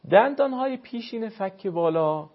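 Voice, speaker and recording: A man teaching the pronunciation of Arabic letters for recitation, explaining patiently and slowing down to demonstrate each sound. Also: sits high, expressive. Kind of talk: spoken pronunciation lesson. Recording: dull lo-fi sound.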